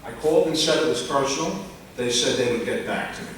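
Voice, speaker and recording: An older man from Long Island, speaking bluntly and loudly to a town board during public comment. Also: mid-range voice, lively intonation, quick pace, a little hiss or hum. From Long Island, New York. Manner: blunt, complaining, loud. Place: large echoey public meeting room. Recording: echoey room audio from far off.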